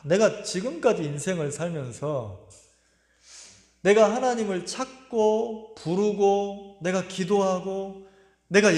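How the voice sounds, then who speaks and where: High, animated pastor preaching. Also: male voice. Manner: earnest, emotional storytelling with pauses and repeated words. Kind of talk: sermon with personal testimony. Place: church sanctuary. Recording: echoey church hall with long reverb.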